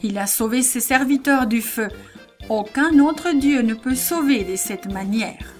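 A furious, proud storybook king bellows his commands, as a woman reads him out. The voice sits a little high and the delivery is unhurried and heavy. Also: music in the background, close to an everyday voice. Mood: exultant. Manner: loud and commanding. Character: furious proud male king, roaring orders. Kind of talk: storybook reading.

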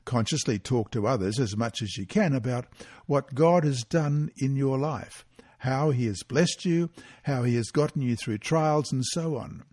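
A man reading a weekly Bible study lesson and mission story aloud, in a measured, expressive way. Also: medium pitch, no echo, clean studio sound.

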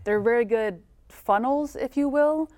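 A woman's voice: on the high side, a little slow, darkish tone. A woman co-hosting a casual Bible study discussion, thoughtful and affirming. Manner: thoughtful, light laughs, affirming. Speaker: co-host.

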